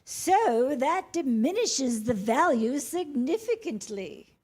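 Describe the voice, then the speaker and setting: A woman plays a pompous antiques appraiser in a staged comedy. The voice is high and swoops expressively, while the delivery is slow, formal and condescending. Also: sing-song, a little mellow, heavily acted. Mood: coolly dismissive.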